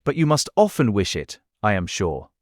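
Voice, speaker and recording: Stern, sensible country gentleman, decided and blunt, very animated pitch, dry close sound over music. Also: moderate pace, no echo. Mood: agreeable. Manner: brusque, decided, authoritative. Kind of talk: audiobook period drama acting.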